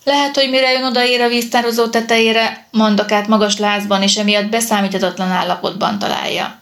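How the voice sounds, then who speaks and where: A woman's voice: fairly high pitch, level tone, fairly bright tone. A woman reading the lines of an earnest, persuasive male professor in an audiobook. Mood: earnest warning. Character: cautious male professor, doctor.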